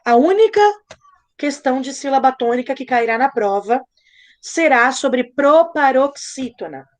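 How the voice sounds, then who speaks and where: A young woman teaching a live online class to children, patient and playful, slowly spelling things out. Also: high voice, animated. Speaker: primary school teacher.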